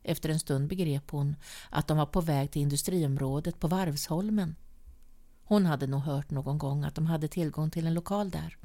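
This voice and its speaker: Low, gravelly woman reading a story. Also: darkish tone. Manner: measured, at times dropping to a whisper. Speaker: audiobook reader. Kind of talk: scripted narration of a short story.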